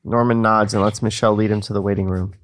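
A man's voice: lowish voice, flat delivery, fast. A man co-hosting a casual, joking script read-through, narrating stage directions and breaking off into asides. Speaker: co-host and screenplay narrator.

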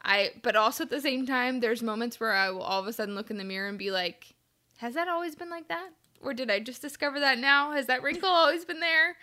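A woman's voice: sits high, fast, sharp tone. A woman in her thirties co-hosting a podcast in casual, chatty talk, laughing often. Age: 30s. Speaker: podcast co-host. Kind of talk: casual chat.

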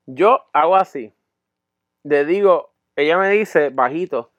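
A man telling a crude story in a podcast chat, profane and animated, acting out voices and sounds. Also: a little high, slow pace, dry recording, highs cut off.

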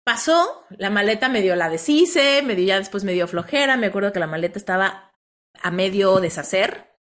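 A woman with a Mexican accent hosting a motivational coaching talk, telling stories in an animated way and often ending lines with a questioning tag. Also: mid-range voice, moderate pace. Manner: animated storyteller, tags lines with "¿no?". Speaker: host.

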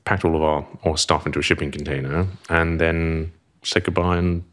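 A man's voice: very deep voice, flat delivery, moderate pace, a bit bright. A middle-aged man with a Zimbabwean accent telling a long story as a podcast guest, rambling and self-deprecating, swearing freely. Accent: Zimbabwean English. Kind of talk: casual storytelling.

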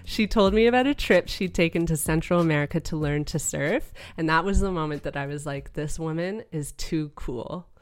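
A woman's voice: low-pitched, no echo. A woman hosting a podcast, chatting casually with a playful, teasing manner. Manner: playful, teasing, quick asides. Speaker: podcast host.

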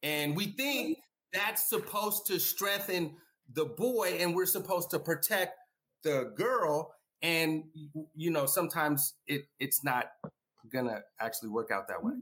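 A male guest educator on a discussion panel, his voice pitched a little high. He argues earnestly, circles back over his points and keeps checking with "right?". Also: unhurried, a bit bright. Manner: earnest, repeats himself, tags points with "right?".

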